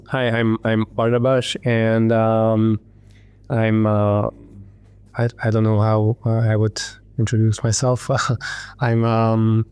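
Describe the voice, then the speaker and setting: A man from Hungary in his thirties, a tech entrepreneur telling his story in an interview, halting with many ums and restarts. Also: on the low side, a little mellow, clean tone, dry recording.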